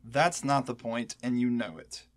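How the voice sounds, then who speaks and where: A man's voice: medium pitch, unhurried, lightly acted. A man playing a weary, stern but protective senior agent in an audio drama, speaking in a cautioning way.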